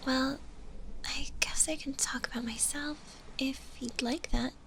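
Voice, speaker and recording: A woman voicing a shy, gentle undead zombie girl in an ASMR roleplay, speaking softly and breathily in a hesitant, bashful way, often in a whisper. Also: high voice, steady tone, gravelly, slight background noise, exaggerated voice. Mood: soothing. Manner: hesitant, bashful, halting with small giggles.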